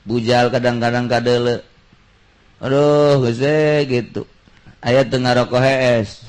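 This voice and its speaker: A man's voice: medium pitch, slow, smooth. A man preaching through humorous storytelling, colloquial and acting out dialogue as he goes. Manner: colloquial, animated shifts between character voices. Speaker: Islamic preacher.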